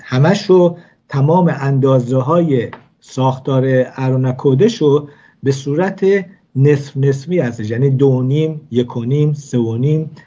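Male religious teacher, measured and hesitant delivery, husky tone, dull lo-fi sound. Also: medium pitch, mellow. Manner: measured explaining, frequent hesitations. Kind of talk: weekly Torah lesson.

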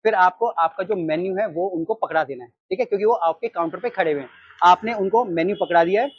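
Animated, husky-voiced Indian man teaching. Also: sits high, quick pace, no echo, highs cut off. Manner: animated, gestures while reading from a sheet. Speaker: restaurant trainer. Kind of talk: training talk. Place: storefront of a small takeaway, outdoors. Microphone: lapel mic.

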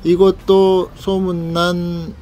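A man's voice: high-pitched, little pitch movement, extremely slow, darkish tone. A man hosting a travel vlog, narrating a leisurely tour in a guide-like way and pointing out sights. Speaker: vlog host.

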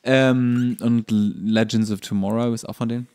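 A man's voice: mid-range voice, level tone, moderate pace, a little mellow, smooth. A man co-hosting a podcast, chatting casually and eagerly explaining bits of trivia in a nerdy way. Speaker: podcast co-host. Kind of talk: casual chat about comics and series.

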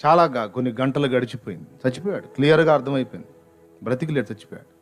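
Male preacher, dramatic storytelling sermon, mid-pitched voice, faint music. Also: racing. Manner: dramatic, swinging between loud outbursts and hushed lows. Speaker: pastor.

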